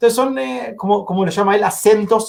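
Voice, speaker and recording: A man speaks at a fairly quick pace. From Uruguay. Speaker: educational technology presenter. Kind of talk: online presentation. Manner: halting, many fillers and restarts.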